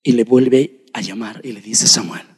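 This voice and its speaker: A man preaching a sermon to his congregation, addressing them directly and swinging between shouting and hushed speech. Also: mid-range voice, steady tone, normal speed, slightly rough. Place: church sanctuary. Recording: long hall reverb.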